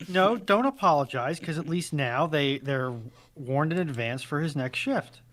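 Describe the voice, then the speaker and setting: A man's voice: a little high, lively intonation, measured pace, a bit bright. A man chatting casually as a panel guest, with a wry, bantering manner. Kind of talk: casual chat.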